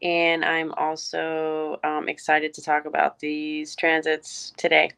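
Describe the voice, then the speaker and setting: A woman from Miami with a low, very even voice introduces herself on a video call. Her tone is smooth and clear, and she keeps it brief and friendly. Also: takes it slowly. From Miami, Florida. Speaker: call participant.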